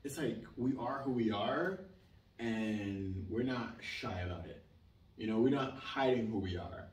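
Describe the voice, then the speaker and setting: Young male guest, low pitch, animated casual talker, distant mic with room echo. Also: measured pace. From Israel. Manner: animated, emphatic, leans on filler "like". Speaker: interview guest. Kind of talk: casual conversational interview. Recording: roomy sound, mic at a distance.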